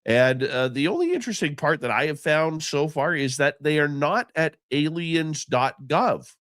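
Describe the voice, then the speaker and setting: A man's voice: fairly high pitch, animated, normal speed, fairly bright tone, no echo. Sleepy stuffed-up guy hosting a live radio stream, chatty and rambling, voice bouncing all over, dry sound. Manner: rambling, chatty, affectionate with viewers. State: congested, stuffy nose; sleepy, just woken up. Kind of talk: casual live show chat, reading out chat names.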